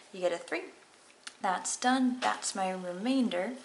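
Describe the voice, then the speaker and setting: Pitch variation here is ordinary. The pace stays moderate. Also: woman. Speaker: math teacher. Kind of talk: tutorial.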